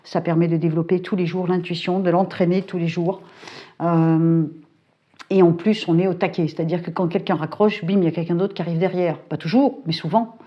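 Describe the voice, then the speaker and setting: A middle-aged woman talking casually to camera, colloquial and brisk, with lots of fillers and hesitations. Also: fairly low pitch, fairly even intonation, muffled recording. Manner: chatty, colloquial, frequent filler tags and hesitations; brisk and self-described hyperactive. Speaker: psychic YouTuber. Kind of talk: casual talking-head chat. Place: home.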